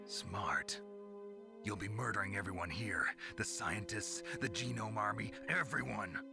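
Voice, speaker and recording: An actor playing a gruff, world-weary, self-blaming soldier hero in a video game, with a gravelly growl. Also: male voice, fairly low pitch, measured pace, music in the background. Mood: terse, accusing. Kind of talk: dramatic video game voice acting.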